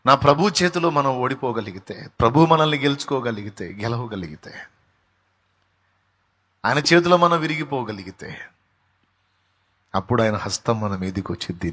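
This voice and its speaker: A male pastor preaches a sermon with fervour, his voice swinging between quiet, low passages and loud, raised outbursts. There is a breathy edge to his delivery.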